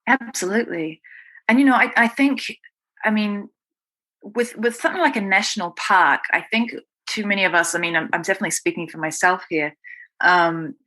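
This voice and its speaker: A woman's voice: medium pitch, a little fast, sharp tone. A woman with a New Zealand accent, telling her own story conversationally as an interview guest. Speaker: guest, writer.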